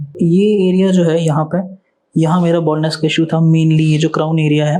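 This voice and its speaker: A man speaks at a moderate pace in a fairly high voice. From Jammu and Kashmir, India. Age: 20s. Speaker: hair transplant patient, IT professional. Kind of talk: testimonial interview. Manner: hesitant, many fillers.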